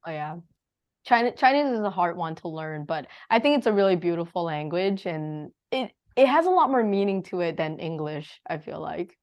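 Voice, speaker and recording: A woman's voice: lowish voice, very animated, moderate pace, lo-fi sound. A young woman hosting a podcast, chatting casually and giggling often. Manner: giggly, chatty, with frequent laughs and fillers. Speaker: podcast host. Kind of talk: casual chat.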